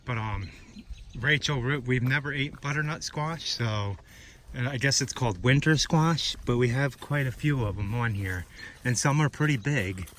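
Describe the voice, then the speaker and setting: A man's voice: medium pitch, normal speed, a bit bright. A man chatting casually and informally in a folksy way, giving a vlog tour outdoors in a breezy garden. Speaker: vlogger showing his vegetable garden. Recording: noisy outdoor recording, breezy ambience.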